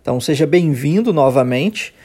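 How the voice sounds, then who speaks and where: A man's voice: fairly high pitch, expressive, darkish tone, husky. A Brazilian man with a Brazilian Portuguese accent, teaching English in a podcast lesson, explaining patiently with many "né" and "tá" fillers. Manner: explains patiently, models English phrases slowly for repetition; frequent fillers like "né" and "tá".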